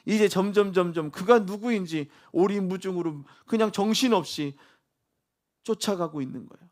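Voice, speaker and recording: High-voiced male pastor preaching. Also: normal speed. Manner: preaching with call-and-response questions to the congregation; swings between loud emphasis and soft near-whispers. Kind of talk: sermon.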